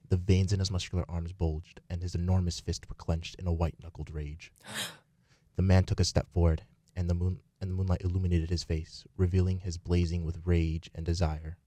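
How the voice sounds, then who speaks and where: A man's voice: sits low, mellow, dry recording. A man narrating a live radio play from a script in a theatrical storytelling style. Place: radio studio, live performance.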